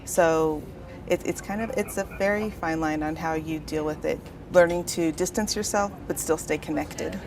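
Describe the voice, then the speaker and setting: A woman's voice: low-pitched, moderate pace, background noise. A woman dispatcher explaining her work in an unscripted interview. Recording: busy chatter behind the voice.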